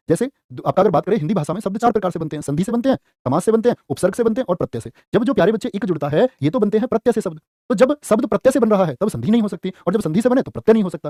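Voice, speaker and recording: A man teaching an online exam-prep lesson, energetic and playful, often calling his students "dear children". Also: high voice, no echo, studio quality.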